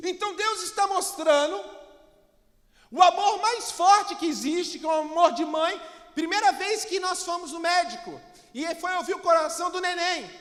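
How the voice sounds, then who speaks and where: Man, Brazilian Portuguese accent, pastor, emphatic sermon, very high voice, long church-hall reverb. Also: a bit bright. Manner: emphatic preaching, calls on the congregation to respond.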